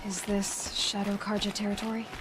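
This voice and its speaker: A woman's voice: mid-range voice, monotone, moderate pace, noisy background, close to an everyday voice. A woman voicing a determined young tribal hunter in a video game, thinking aloud as she investigates in short, observant deductions. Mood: curious, focused. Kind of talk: video game cutscene acting.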